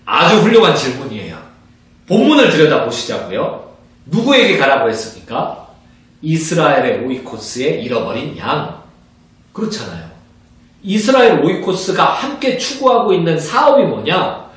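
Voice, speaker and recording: A pastor teaching a room with a bouncing, expressive voice that sits a bit high for a man. He talks in an animated way and slips into short acted exchanges to make his points. He is recorded from a distance in a very echoey room. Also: normal speed. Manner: animated, acts out little dialogues in different voices. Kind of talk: evangelism training lecture.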